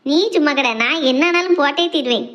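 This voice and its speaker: A woman's voice: high voice, fast, fairly bright tone, dull audio. A woman playing a devoted young adult daughter who coaxes and teases her mother. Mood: teasing. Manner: earnest, coaxing, playful. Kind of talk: family drama skit.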